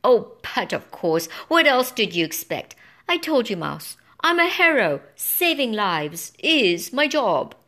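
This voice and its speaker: A woman's voice: fairly high pitch, sing-song, slow, sharp tone, heavily acted. A woman voicing a vain, boastful male knight who brags about himself. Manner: pompous, bragging.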